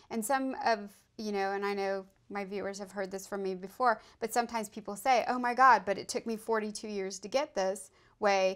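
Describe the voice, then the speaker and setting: In an American accent, a woman uses an ordinary speaking voice at medium pitch with fairly even intonation and a fairly quick pace, on a very clean recording with a silent background. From Houston, Texas. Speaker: wellness video host. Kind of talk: interview. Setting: studio.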